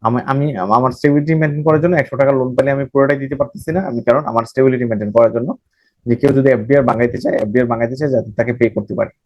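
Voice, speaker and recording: A man's voice: medium pitch, steady tone, racing, no echo, dull audio. A man from Bangladesh, giving a recorded banking lecture and repeating phrases as he explains. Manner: explains by repeating phrases, mixing in English terms, self-corrects. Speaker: banking exam tutor.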